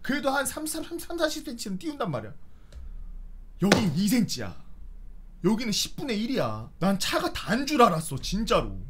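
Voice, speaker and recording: A man's voice: high voice, wildly swooping pitch, moderate pace, noisy background. A man in his thirties, a streamer telling stories casually, swearing and acting out scenes with sound effects. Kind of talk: casual storytelling and reading viewer stories.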